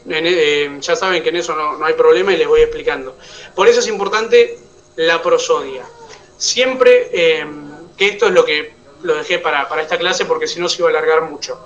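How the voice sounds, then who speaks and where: In an online lecture on oratory, a man with an Argentine accent breaks things down step by step and checks that his students are with him. He sounds a little high and fairly bright at normal speed, recorded from a distance with the highs cut off.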